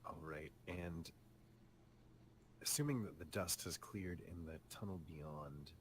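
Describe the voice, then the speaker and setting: A man playing a tabletop roleplaying game, describing his character's actions in the third person with deliberate phrasing. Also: sits low. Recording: clear background noise on mic.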